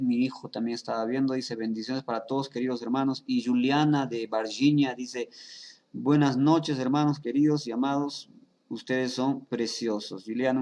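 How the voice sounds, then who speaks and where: A man's voice: mid-range voice, a little mellow. A man who is a pastor, hosting a church live stream and reading viewers' comments and greetings aloud. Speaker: pastor and host.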